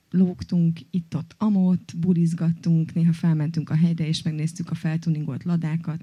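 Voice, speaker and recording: A woman's voice: on the low side, warm tone, dry recording, highs cut off. A woman telling a personal story on stage in a chatty way, full of fillers and hesitations.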